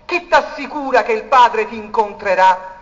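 A man preaching a sermon, swinging between loud declaiming and hushed, intimate passages. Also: sits high, normal speed. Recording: dull recording in a reverberant hall.

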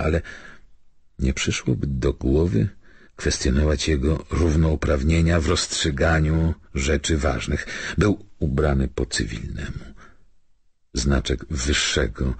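Man, audiobook narrator, very low pitch, heavily husky, scripted literary narration. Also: a little mellow, no room sound.

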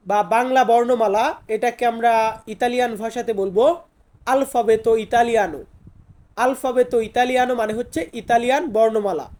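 A woman teaching an online language lesson, speaking slowly and repeating each word for her learners. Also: fairly high pitch, a little mellow.

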